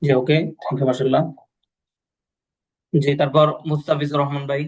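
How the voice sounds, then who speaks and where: Guy teaching a language class, patient and repetitive, voice sits a little high. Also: little pitch movement, normal speed, darkish tone. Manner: repetitive, patient, many fillers and pious phrases. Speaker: English teacher. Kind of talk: online language class, explaining to students.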